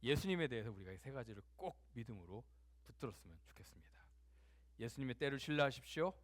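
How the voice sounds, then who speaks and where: A man preaching a sermon as a pastor in a church, swinging from loud emphasis to soft near-whispers and acting out quoted dialogue conversationally. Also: mid-range voice, lively intonation, fast talker.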